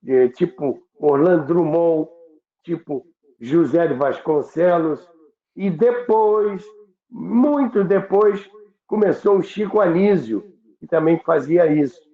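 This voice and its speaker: A slow-paced, slightly high male voice with a Brazilian accent tells history stories conversationally on the radio, leaning on repetition and lists for emphasis. The audio is thin and phone-like, with roomy echo.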